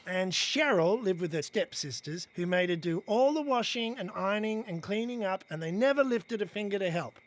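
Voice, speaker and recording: Aussie cartoon mum voiced by a woman making up a silly bedtime story, super lively swooping voice. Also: medium pitch, moderate pace, hardly any pauses, slight background noise, lightly acted. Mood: playful. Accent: Australian. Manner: colloquial, animated. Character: playful, easygoing mother telling a bedtime story. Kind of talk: improvised comic storytelling.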